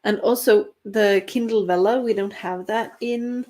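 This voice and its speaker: امرأة نرويجية تتحدث ببطء مع ضحكات. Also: female voice, medium pitch, fairly even intonation, dark tone. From Norway. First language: Norwegian. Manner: slow, chatty, with frequent laughs and fillers. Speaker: writing stream host. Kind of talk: casual livestream chat with viewers.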